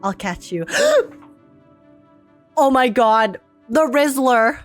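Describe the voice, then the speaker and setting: A woman reacting casually to a game on stream, giggly and excitable, with slang and swearing. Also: fairly high pitch, slow, soft background music. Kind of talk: casual gaming reaction commentary.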